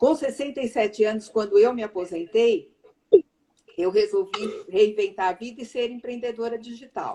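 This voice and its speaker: The voice has a dark, mellow tone and lively intonation. It moves at a moderate pace. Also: woman. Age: 60s. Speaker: digital entrepreneur and retiree. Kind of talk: live stream conversation.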